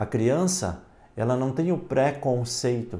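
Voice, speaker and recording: The man's intonation is lively. His pace is very slow. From Brazil. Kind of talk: sermon. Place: home room. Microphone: lapel.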